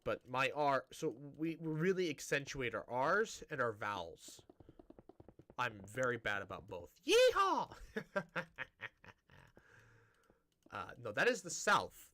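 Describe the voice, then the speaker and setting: A man's voice: mid-range voice, sing-song, normal speed, bright, forceful tone, dry recording. A man with a Midwestern American accent from the Great Plains, chatting casually and rambling as a gaming streamer. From Great Plains, United States. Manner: rambling, chatty, restarts his sentences. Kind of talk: casual chat while live-streaming a game.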